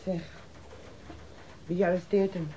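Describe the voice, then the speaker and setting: A woman's voice: fairly low pitch, little pitch movement, takes it slowly, warm tone. An actress playing a defiant, streetwise woman informant under police questioning in a radio drama, sneering and coarse-mouthed. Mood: warning, uneasy. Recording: muffled, noisy old radio drama recording.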